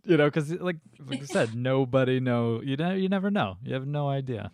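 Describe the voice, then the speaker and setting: A man hosting a podcast, chatting casually and telling lively stories with many fillers. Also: mid-range voice, brisk. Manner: animated storyteller, many fillers. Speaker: podcast host. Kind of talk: casual conversation.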